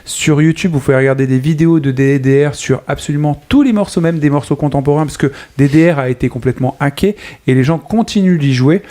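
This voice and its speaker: Animated French-speaking male host. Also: fairly high pitch, fast talker. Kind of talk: casual panel talk.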